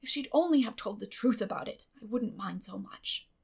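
Middle-aged woman acted by a narrator, stern, strict, grim, clipped, slightly gravelly, audiobook character. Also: mid-range voice, animated, moderate pace, heavily acted. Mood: troubled. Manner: sharp, grim, clipped scolding.

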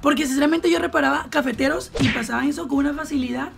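A woman's voice: high voice, fast talker. A young Colombian woman with a Colombian accent, giving outspoken, gossipy reaction commentary and swearing freely. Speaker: reaction vlogger. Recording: clear background music. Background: music playing.

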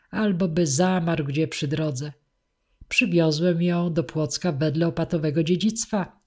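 A wise old knight speaks slowly and warns his nephew, as a woman reads him aloud. He is weighty and fatherly, a figure from a storybook. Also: lowish voice, mellow. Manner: slow, admonishing. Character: old knight Maćko, wise and worried uncle.

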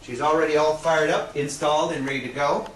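A middle-aged science presenter plays the showman to camera in a small indoor room with a projector screen, demonstrating as he explains. His voice sits on the high side, steady, a little fast and fairly bright. The distant camera mic makes the recording roomy and noisy.

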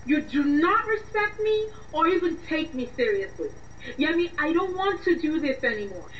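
A woman's voice: sits high, big pitch swings, moderate pace, highs cut off, slight background noise. A fed-up young girlfriend in a radio drama. She is emotional and reproachful. The sound is echoey and distant from the mic. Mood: angry, fed up. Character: exasperated, weary young woman fed up with her boyfriend.

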